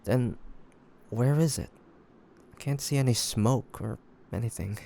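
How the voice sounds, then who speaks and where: A man playing a grumpy, flustered demon hunter who secretly cares, speaking in a halting, defensive way in a roleplay audio drama. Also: medium pitch, creaky, mellow, a little hiss or hum.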